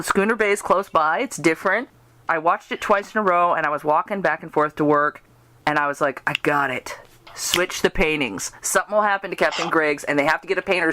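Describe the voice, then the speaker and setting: A woman's voice: on the low side, a bit bright. A woman hosting a casual fan interview, telling stories in an enthusiastic, rambling way. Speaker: podcast host and radio drama writer.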